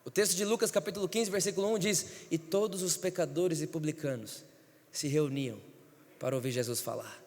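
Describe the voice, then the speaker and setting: A man's voice: fairly high pitch, a little fast, darkish tone. A man, a pastor, preaching an emphatic storytelling sermon in a church. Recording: church hall reverb.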